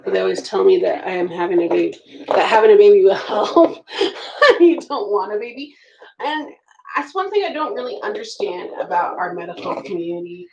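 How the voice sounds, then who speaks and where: Gravelly late-30s woman vlogger chatting. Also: mid-range voice, sing-song, moderate pace, darkish tone, reverberant, lo-fi sound. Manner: chatty, reacts to viewer comments. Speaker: planner vlogger. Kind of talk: rambling live chat while journaling. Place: at home.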